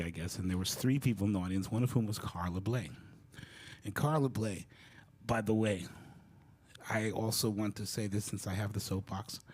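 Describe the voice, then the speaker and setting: Animated man telling stories in a talk. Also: fairly low pitch, breathy edge. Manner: animated, acts out quoted voices. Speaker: guest speaker. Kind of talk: storytelling lecture.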